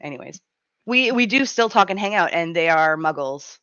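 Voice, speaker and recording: A woman in her thirties hosting a radio show in casual chat, her voice raspy and gruff from a cold, chatty and laughing often. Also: lowish voice, animated, normal speed, fairly bright tone, dry recording, dull audio. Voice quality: raspy, grumbly. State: has a cold, gruff throat. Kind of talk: casual live-stream chat.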